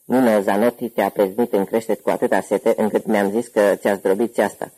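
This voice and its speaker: A man voicing a hoarse, corpulent older gangster uncle who talks boisterously and at length. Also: lowish voice, flat delivery, dark tone, rough recording. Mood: jovial.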